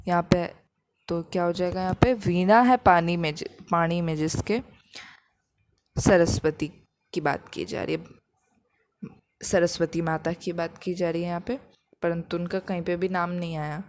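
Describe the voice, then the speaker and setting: Slow, patient woman teacher. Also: on the low side, steady tone, a little mellow. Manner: patient, repeats each example slowly. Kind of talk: Hindi grammar lesson explaining examples.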